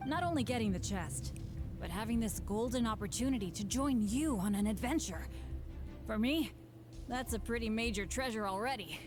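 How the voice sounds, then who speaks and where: A woman's voice: fairly high pitch, animated, moderate pace, close to an everyday voice. An actress voicing an earnest, upbeat young male adventurer in a game, eager, encouraging and sincere. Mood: excited. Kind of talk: scripted anime game voice acting. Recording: game music behind the voice.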